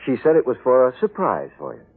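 An actor playing a polite, deferential bank teller in a 1950s radio drama. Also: male voice, mid-range voice, very animated, fast, husky, faint music behind. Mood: polite, apologetic. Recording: old 1950s radio, narrow band.

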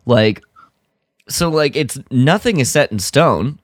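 A man co-hosting a podcast in casual chat, thinking aloud in loose, halting phrases. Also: medium pitch, lively intonation, no echo, studio quality. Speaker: podcast co-host.

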